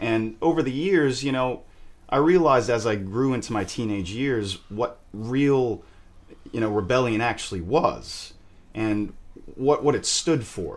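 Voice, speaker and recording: At a fairly slow pace, a man speaks with ordinary pitch variation. His pitch sits in the medium range. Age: 30s. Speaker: punk band guitarist. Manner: halting, many fillers.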